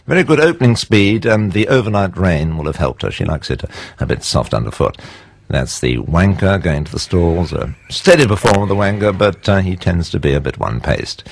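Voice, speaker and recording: A man's voice: sits low, creaky, husky, no room sound, studio quality, heavily acted. A man playing an earnest horse racing commentator, calling the field with a straight face. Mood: measured, deadpan. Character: deadpan horse racing commentator, building to frantic excitement.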